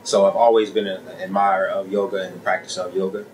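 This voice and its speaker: A man's voice: deep voice, flat delivery, quick pace, a little mellow, slight background noise, rough recording. A man in his thirties who greets the viewer in a friendly way and talks about his interest in yoga. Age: 30s. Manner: friendly and upbeat. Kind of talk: documentary interview.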